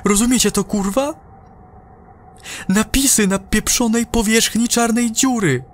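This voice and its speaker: A man playing a frightened, desperate space crew member in an audio horror drama, agitated and halting, swearing as he pleads. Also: high-pitched, pitched above the performer's own voice.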